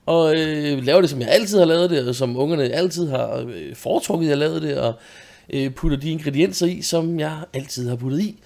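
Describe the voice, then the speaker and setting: Young man from Denmark, gravelly voice, casual storytelling, swears and laughs a lot, gaming host at his desk mic. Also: fairly high pitch, a little mellow. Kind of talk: casual storytelling chat while playing.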